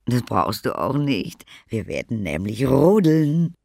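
A man voicing a quirky little lady, eccentric and fond of treats, in a high, fluttering, fussy way. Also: very animated, takes it slowly, vocal fry, darkish tone, no room sound, clean studio sound, heavily acted. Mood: cheerful.

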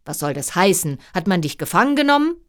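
A woman voicing an exasperated, imperious king and father in a storybook, with a loud, commanding, scolding manner. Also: mid-range voice, big pitch swings, measured pace, voice pushed up.

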